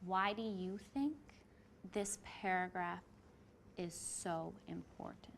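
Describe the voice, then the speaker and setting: A woman's voice: on the low side, takes it slowly, a little hiss or hum. A woman teacher leading a class discussion and reading a novel aloud to her students. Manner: expressive, clear teacher voice.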